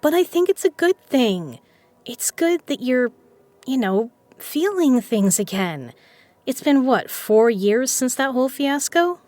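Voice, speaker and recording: A woman's voice: high voice, lively intonation, measured pace, a little mellow, no room sound. A woman acting in an audio drama as a confident, teasing poker player who is frank and caring.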